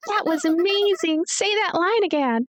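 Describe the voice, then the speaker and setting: A woman's voice: very high voice, expressive, moderate pace, a little hiss or hum, pitched above the performer's own voice. A woman voicing a naive, curious ghost girl in a visual novel, wide-eyed and easily awed.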